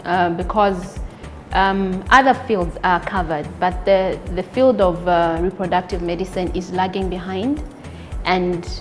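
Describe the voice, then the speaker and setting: A woman from Zambia, an obstetrician-gynecologist giving an earnest, measured testimonial with frequent pauses. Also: mid-range voice. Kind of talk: spoken testimonial.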